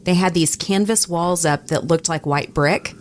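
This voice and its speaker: A woman's voice: on the low side, moderate pace. An American woman telling stories casually as a podcast co-host. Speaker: podcast co-host and radio personality. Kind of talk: casual chat, anecdotal storytelling.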